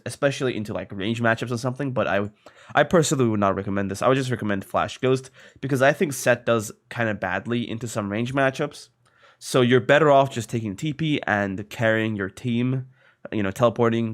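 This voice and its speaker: A young man, a little sick, casually explaining a video game strategy in a guide, tossing in lots of fillers and "right?". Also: mid-range voice. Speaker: gaming content creator.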